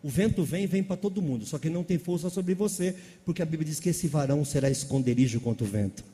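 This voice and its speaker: A man's voice: on the high side, dark tone, in a large hall. A man preaching a sermon, calling out questions to the congregation. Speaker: pastor.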